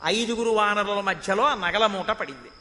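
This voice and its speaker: A man's voice: high voice, normal speed, pushed and bright. A man giving an emphatic devotional discourse and chanting verses in between. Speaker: religious discourse speaker. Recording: long hall reverb.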